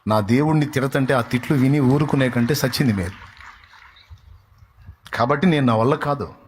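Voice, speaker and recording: A man's voice: mid-range voice, normal speed, a little hiss or hum, lightly acted. A man preacher voicing a defiant young shepherd warrior who scorns his doubters in a blunt, resolute way.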